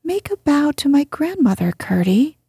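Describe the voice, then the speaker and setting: A woman voicing an eager, earnest young princess girl in a breathy, whispered delivery. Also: high-pitched, very animated, normal speed, mellow, no room sound, studio quality, pitched above the performer's own voice, full character voice. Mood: bewildered.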